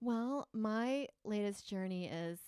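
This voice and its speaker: Soft-spoken and fairly high in pitch, a woman talks with ordinary pitch variation while music plays in the background. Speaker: podcast co-host. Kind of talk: casual chat. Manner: soft, muted tone.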